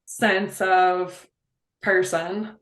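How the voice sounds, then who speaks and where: A woman's voice: lowish voice, flat delivery, extremely slow, fairly bright tone, echoey room. A woman from West Virginia, talking as a guest in a casual interview, heartfelt and rambling, with many fillers. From Appalachia, West Virginia.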